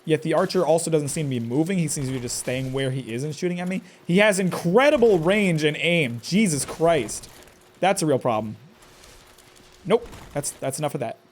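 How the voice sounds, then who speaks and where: A man's voice: fairly high pitch, animated, normal speed, a little hiss or hum. Stressed streamer, man, slightly raised voice, mutters to himself and snaps at foes. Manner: talks to himself, curses at enemies, jumpy outbursts. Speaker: streamer playing a game live. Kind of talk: live gameplay commentary.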